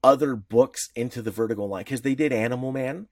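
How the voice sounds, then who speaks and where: A man's voice: medium pitch, a little fast, a little mellow, no room sound, studio quality. A man co-hosting a podcast in casual chat, talking loosely with restarts and the odd swear word. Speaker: podcast co-host.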